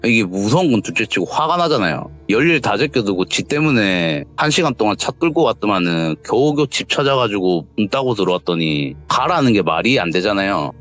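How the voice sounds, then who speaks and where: A man calling in to tell a true ghost story, animated and acting out the quotes as he goes. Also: lowish voice, fairly quick, few pauses, highs cut off. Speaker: caller telling a viewer's story. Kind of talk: telling a true ghost story on a call-in radio show. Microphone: voice call.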